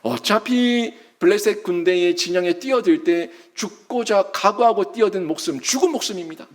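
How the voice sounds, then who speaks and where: A man's voice: high voice, normal speed. A male pastor preaching a sermon, emphatic and putting rhetorical questions to his congregation.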